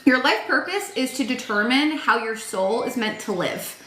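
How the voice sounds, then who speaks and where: A woman's voice: a little high, animated, normal speed, sharp tone, roomy sound, slight background noise. A woman in her thirties giving a casual tarot reading, talking frankly with lots of filler words, her voice tired and starting to crack. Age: 30s. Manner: frank, chatty, swears, lots of "like" and "um". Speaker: tarot reader.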